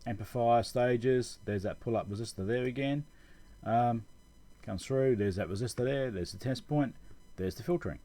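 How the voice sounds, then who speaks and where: A man of medium pitch and dark tone speaks at a moderate pace. He's an electronics repair video host giving a casual schematics tutorial, explaining ideas as he works them out.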